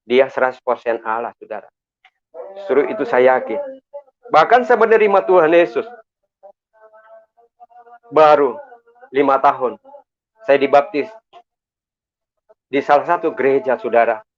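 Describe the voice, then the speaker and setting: A man's voice: mid-range voice, expressive, unhurried, pauses often, faint music behind. Earnest man giving church testimony, tinny sound. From Makassar, Indonesia. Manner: earnest, preacherly, repeatedly addresses listeners as brothers.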